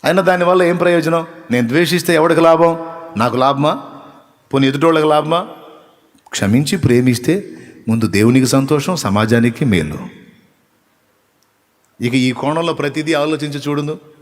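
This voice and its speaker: A man's voice: on the high side, moderate pace, long pauses, long reverb tail. A male pastor preaching a live sermon, firing rhetorical questions at the congregation and teasing them with acted asides. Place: church hall.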